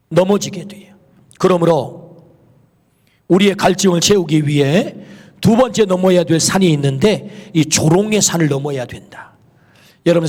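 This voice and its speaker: A man with a high-pitched voice preaches emphatically in a church sanctuary. He asks the congregation questions and answers them himself, then pronounces blessings over them. His words ring out with the long reverb of the hall. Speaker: pastor. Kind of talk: sermon.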